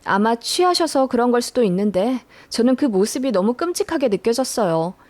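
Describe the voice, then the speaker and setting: A woman narrating a listener's story in the first person, expressive and indignant. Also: fairly high pitch, a little fast, no echo.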